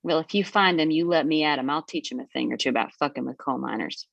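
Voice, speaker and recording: A woman's voice: sits low, quick pace, creaky, fairly bright tone, no echo, heavily acted. A woman playing a blunt, suspicious, protective coal-town mother in a screenplay table read, heard through a dull microphone. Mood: angry.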